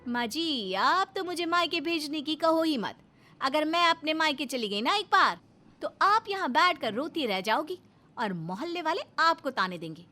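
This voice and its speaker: A woman voicing a bossy, sharp-tongued young wife in a cartoon story, snapping back with shrill retorts. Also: very animated, moderate pace, faint music behind, exaggerated voice.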